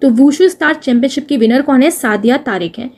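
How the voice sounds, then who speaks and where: A woman teaching an exam-prep lesson with memory tricks. She asks and answers her own questions, says "okay" again and again, and reads the English phrases slowly. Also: sits high, darkish tone.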